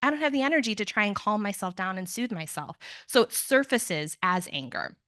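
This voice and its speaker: A young woman counselor gives a relaxed, conversational conference talk, slipping into quoted voices and joking at her own expense. Her voice is bright and clear. The sound is dry and close. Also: medium pitch, a little fast, no room sound. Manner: conversational, self-deprecating asides, acts out quotes. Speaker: grief counselor.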